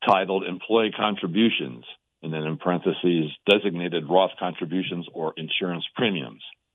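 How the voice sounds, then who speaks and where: Ordinary pitch variation runs through this speech in an American accent. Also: man, very deep, low pitch for a man, moderate pace. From eastern Pennsylvania. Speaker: caller. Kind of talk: radio call-in question. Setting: phone call.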